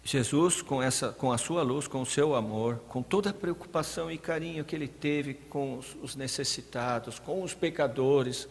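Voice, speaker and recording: Pastor guy preaching, goes loud then real soft, medium voice, long church reverb. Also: mid-range voice, moderate pace, few pauses. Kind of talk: sermon. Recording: long hall reverb, faint background noise.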